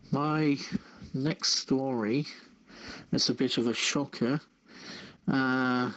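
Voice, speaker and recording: A man hosts a casual online radio show, mixing news stories with chat. His delivery is very slow and hesitant, broken up as he feels for the next word. His voice sits at an average pitch. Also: fairly bright tone, dull audio.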